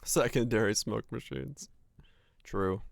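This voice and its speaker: A man with a raspy voice giving loose, profane live commentary as a game streamer and answering chat offhand. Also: mid-range voice, slow, no echo, clean studio sound. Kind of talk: casual live gameplay commentary.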